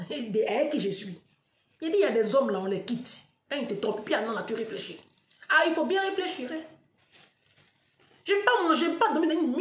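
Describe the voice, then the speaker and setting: Woman going off on a sarcastic rant, kinda high voice, echoey room. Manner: animated and sarcastic, laughs often. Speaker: online commentator on marriage. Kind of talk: blunt, mocking monologue. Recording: roomy echo.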